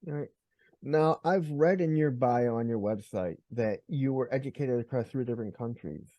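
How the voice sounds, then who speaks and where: A man's voice: medium pitch, moderate pace, mellow, dry recording. A man hosting a podcast, giving friendly, upbeat welcomes and asking his guest questions. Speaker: podcast host.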